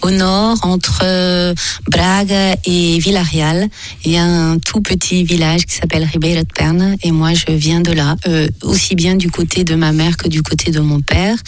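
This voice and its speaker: A woman's voice: on the low side, level tone, moderate pace, no room sound. A woman singer, born in France with Portuguese as her first language, recounting her life story thoughtfully with frequent hesitations. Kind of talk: personal interview storytelling.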